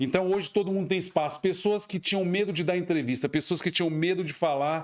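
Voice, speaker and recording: This man talks fairly quickly. His voice sits high in pitch. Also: ordinary pitch variation. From Brasília, Brazil. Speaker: journalist, broadcaster and political candidate. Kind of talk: casual interview. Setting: podcast studio. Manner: fast.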